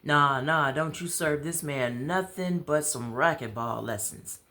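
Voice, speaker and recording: A woman's voice: low-pitched, a little slow, fairly bright tone. A woman voicing a friendly male shop owner who casually teases his friend in storybook dialogue. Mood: teasing, chatty. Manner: casual, bantering.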